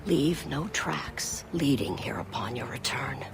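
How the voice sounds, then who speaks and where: A woman playing a stern tribal elder and spiritual guide in a video game, speaking in a solemn, deliberate, commanding way. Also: very deep voice, lively intonation, gravelly, full character voice. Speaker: game character giving guidance. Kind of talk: dramatic video game voice acting. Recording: music behind the voice.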